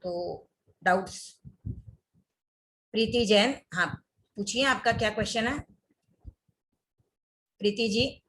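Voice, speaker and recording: A woman's voice: medium pitch, slow, pauses often, a bit bright, low-quality recording. A young woman teaching an online class, reciting prayer words one at a time and repeating each twice for her students.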